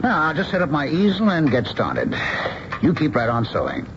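A man's voice: fairly high pitch, wildly swooping pitch, normal speed. An actor playing a patient, easygoing middle-aged father and artist in a radio drama. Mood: gentle, reassuring. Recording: muffled, noisy old radio broadcast recording.

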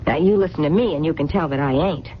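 An actress playing a smitten, plain-spoken diner waitress who talks in an insistent, colloquial way in a 1970s radio drama. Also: female voice, low voice, quick pace, lightly acted. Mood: tender, earnest. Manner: colloquial, insistent, hesitant when pleading. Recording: dull, noisy 1970s radio broadcast.

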